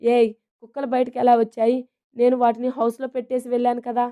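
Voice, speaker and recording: A woman narrator voicing a stern, teasing young husband in a romantic storybook, with a gruff, bossy manner. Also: a little high, completely flat delivery, fast talker, dark tone, lightly acted.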